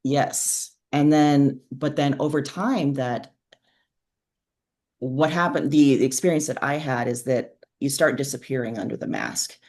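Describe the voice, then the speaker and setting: A woman talks as an interviewed author in relaxed conversational language. She reflects as she explains, stacking up examples and layering one point on the next. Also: rumbling low, measured pace.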